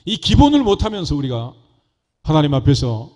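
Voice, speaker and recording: A male pastor preaching a sermon, reading scripture slowly and solemnly and building emphasis as he explains it. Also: on the high side, sing-song, dark tone. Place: church sanctuary. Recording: dull echoey church hall.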